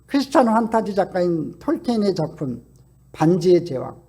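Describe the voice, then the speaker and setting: A man preaching a Sunday sermon as pastor, telling stories with swings between loud calls and hushed asides. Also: sits high, normal speed, breathy edge. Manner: animated storytelling with shifts between shouts and hushed asides.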